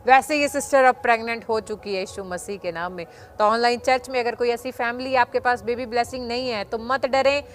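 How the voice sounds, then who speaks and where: A woman's voice: on the high side, fairly bright tone. A woman preaching fervently to an online congregation, urging viewers to share the meeting and send testimonies, and telling a story with acted-out voices. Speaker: church presenter. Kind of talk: evangelistic sermon for a livestream.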